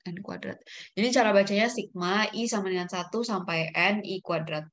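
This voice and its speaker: A woman's voice: medium pitch, fairly even intonation, fairly quick, fairly bright tone. A woman teaching math in a casual online lesson, thinking aloud and checking herself as she works through formulas. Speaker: olympiad math tutor.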